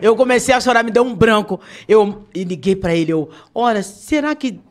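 A woman with a mid-range voice, speaking at normal speed, appears as a podcast guest and singer. She tells a story casually and with animation, acting out the quoted dialogue in slang.

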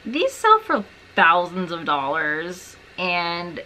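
A woman's voice: on the low side, wildly swooping pitch, takes it slowly, pushed and bright, a little hiss or hum, rough recording. A young woman in her twenties chatting casually to camera in a small bedroom, with wry, self-mocking asides. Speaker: lifestyle vlogger. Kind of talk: casual vlog chat to camera.

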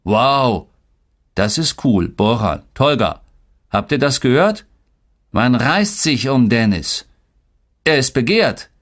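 A man's voice: mid-range voice, animated, slow, pauses often, pitched above the performer's own voice. A man voicing a proud but strict father in an audiobook story. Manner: commanding.

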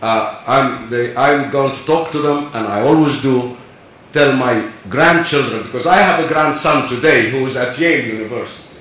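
With a mid-range, slightly bright voice and a moderate pace, a man in his seventies from Palestine gives an earnest, insistent personal speech as a conference panelist. The setting is a large conference hall, captured by a distant mic with echo and faint hiss.

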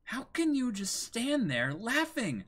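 A man's voice: very high voice, wildly swooping pitch, slow, fairly bright tone, exaggerated voice. A man voicing a scolding, worried young woman in an exasperated manner.

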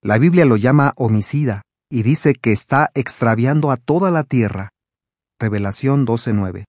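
A man narrates a scripted religious video in a calm, explanatory tone at a middle pitch. The voice-over is close and dry, with nothing heard behind it. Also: moderate pace, no room sound.

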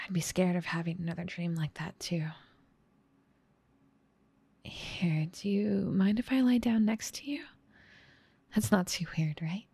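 Woman playing a slow, breathy, gentle big sister. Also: lowish voice, no room sound, exaggerated voice. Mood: caring. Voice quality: soft, breathy, slightly scratchy. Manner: tender, soothing, unhurried. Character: gentle, caring big sister comforting younger sibling. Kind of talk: ASMR roleplay, soft whispering.

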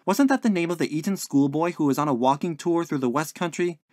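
Narrator as a puzzled, polite young man, lively pitch. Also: moderate pace, no room sound, clean studio sound, close to an everyday voice. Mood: earnest, polite. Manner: hesitant, searching, well-mannered.

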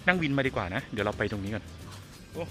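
A man's voice: fairly low pitch, expressive, rapid-fire, pushed and bright, soft background music. A man vlogging casually while walking outdoors, chatty and exclaiming as he talks to his viewers. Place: outdoors on a street and in a garden cafe.

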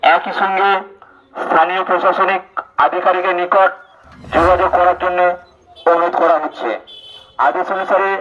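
Man, through a loudspeaker, formal public warning, flat monotone, muffled lo-fi audio. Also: high-pitched. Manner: slow, measured, monotone delivery. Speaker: panchayat announcer. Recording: dull lo-fi loudspeaker recording.

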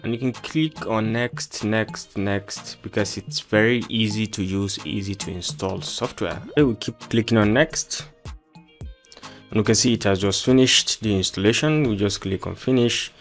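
A man giving an explanatory software tutorial as presenter, with formal, instructional phrasing. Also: fairly low pitch, unhurried. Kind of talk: explanatory screen-recording tutorial. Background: background music.

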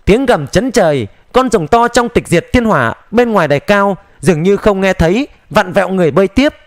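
A man narrating a fantasy novel as an audiobook in a smooth, steady storytelling manner. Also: sits high, fairly quick, no room sound, clean studio sound. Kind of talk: dramatized audiobook reading of a xianxia novel.

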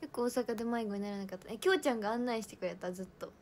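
A woman's voice: mid-range voice, racing, darkish tone, slight background noise. A young woman chatting casually on a livestream, bubbly and giggly, reading out viewer comments. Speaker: idol livestream host.

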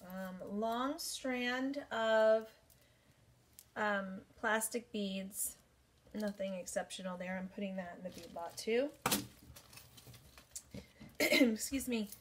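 A woman's voice: mid-range voice, slow pace, pauses often, a little hiss or hum. A woman in her forties, chatting casually and thinking aloud with many ums as she sorts jewelry in her bedroom, recorded by a camera at desk distance. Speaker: vintage jewelry reseller. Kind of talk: casual show-and-tell haul video. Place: bedroom, indoors.

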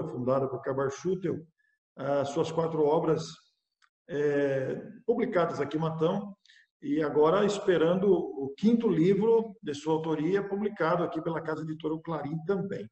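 A man's voice: fairly high pitch, darkish tone, lo-fi sound. A middle-aged man hosting a video-call interview, formally wrapping up and thanking viewers. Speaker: interviewer host. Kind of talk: closing an interview. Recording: roomy echoey video call audio.

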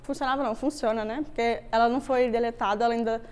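High-pitched woman, young adult, Rio de Janeiro accent, casual conversational tech presenter, slangy. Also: steady tone, fast, a little mellow. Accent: Rio de Janeiro (carioca) Brazilian. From Rio de Janeiro, Brazil. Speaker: Android developer, meetup speaker. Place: meetup room with wooden floor, on stage before a screen.

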